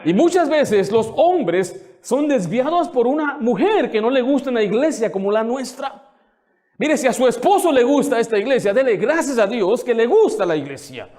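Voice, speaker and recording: A man's voice: extremely high pitch, sing-song, moderate pace, darkish tone. A man pastor preaching a sermon, fervent and indignant, firing rhetorical questions at the congregation. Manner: indignant, scolding.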